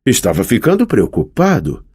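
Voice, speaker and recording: Reading an audiobook, a man performs a full character voice for a boastful, teasing young male sun god, pitching it above his own voice into something raised and showy. The mid-range voice swings hugely in pitch at a normal speed, a little mellow and husky, with a playful, boastful mood.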